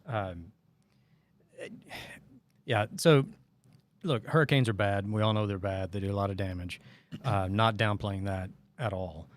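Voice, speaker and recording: A man's voice: on the low side, unhurried, pauses often. A middle-aged man from Northeast Arkansas, hosting a casual podcast and telling rambling, sarcastic stories. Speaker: podcast host.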